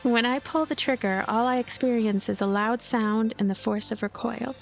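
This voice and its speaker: Gamer lady reading a visual novel out loud, kinda high voice, playful asides, bit of music under it. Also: fairly even intonation, moderate pace, gravelly. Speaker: let's play host reading a visual novel aloud. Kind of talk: voiced narration with casual commentary.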